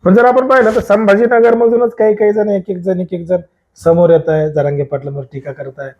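A man's voice: high-pitched, steady tone, a little fast. A man asking conversational questions as an interviewer. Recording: muffled sound with music behind. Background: background music.

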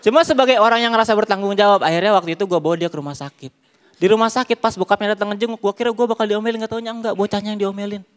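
A young man performs stand-up comedy in a high-pitched voice. He tells his stories into a handheld microphone on a large stage. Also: very fast, clean tone. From Bogor, Indonesia. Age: young adult. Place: large theatre stage before an audience.

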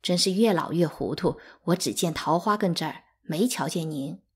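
A woman's voice: on the low side, moderate pace, slightly rough. A woman reading aloud, voicing a flustered, fussing older maidservant.

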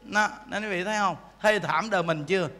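A man gives a joking, animated Buddhist talk and keeps asking his listeners questions. His voice sits high and sounds bright and sharp. A long hall reverb trails behind each phrase. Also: a little fast. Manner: animated, joking, acts out voices, asks the audience. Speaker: Buddhist monk teacher. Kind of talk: folksy dharma talk. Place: temple hall.

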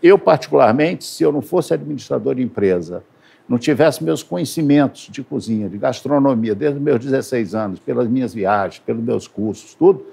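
A man's voice: medium pitch, lively intonation, fairly quick, vocal fry, mellow, husky. A middle-aged man from Ceará, a guest chef answering questions in a TV studio interview. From Ceará, Brazil. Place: TV studio, indoors.

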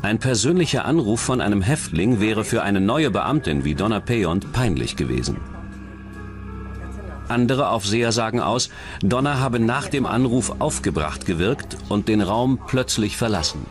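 Low-pitched man narrating true crime over music. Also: expressive, normal speed. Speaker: documentary narrator.

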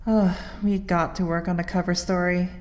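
A woman's voice: fairly low pitch, level tone, normal speed, darkish tone, soft background music, natural voice. A woman playing a practical, kind teenage girl hero in an audio drama, casual and reassuring.

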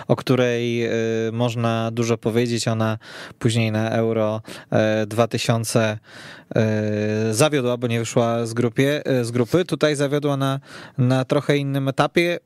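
A man's voice: mid-range voice, flat delivery, a little slow, smooth, no echo, studio quality. A man hosting a sports podcast, presenting topics for a casual discussion. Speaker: podcast host. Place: radio studio.

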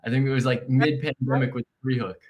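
A man answering interview questions in a relaxed, conversational way with frequent fillers. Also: mid-range voice, fast talker. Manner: relaxed, many fillers and restarts. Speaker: guest, marketing founder.

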